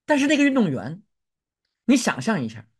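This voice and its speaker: A pastor preaching a sermon, telling a story with animated delivery and acting out shouted cries. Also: mid-range voice, fairly quick, breathy edge.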